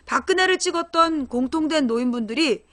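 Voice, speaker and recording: High-voiced woman hosting blunt political talk. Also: expressive, fairly quick, a bit bright. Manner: talks directly to chat viewers, asks them questions; blunt and emphatic, informal speech. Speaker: political live-stream host. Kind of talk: live-stream political commentary.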